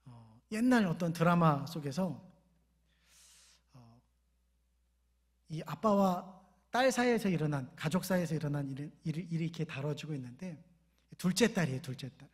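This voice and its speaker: A man's voice: a little high, expressive, moderate pace, long pauses, slightly rough. A middle-aged male pastor giving a sermon in a conversational way, telling everyday family stories and asking the congregation to repeat after him. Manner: conversational preaching with everyday stories and call-and-response.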